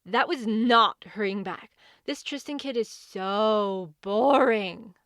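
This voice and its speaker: A woman's voice: medium pitch, takes it slowly, fairly bright tone. A woman playing a brash, flippant fairy godmother. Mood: excited, mocking. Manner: flippant, exclamatory, teasing. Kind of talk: fantasy comedy audio drama acting.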